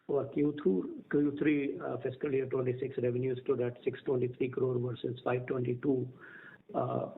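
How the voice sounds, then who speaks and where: A man with an Indian accent reads prepared management commentary on an earnings call as a company executive, halting and sometimes stumbling over or repeating his words. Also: mid-range voice. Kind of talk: earnings call presentation, read from prepared notes. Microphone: conference call line. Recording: narrow-band conference phone line.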